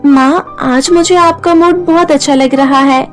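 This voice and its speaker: A woman voicing a gentle, hardworking young woman in a cartoon story, earnest and soft-spoken. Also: high-pitched, steady tone, a little slow, soft background music.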